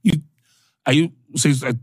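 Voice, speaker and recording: A man hosting a casual podcast chat, animated and laughing, shouting out crowd chants as he recounts old matches. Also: on the high side, normal speed. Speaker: podcast host.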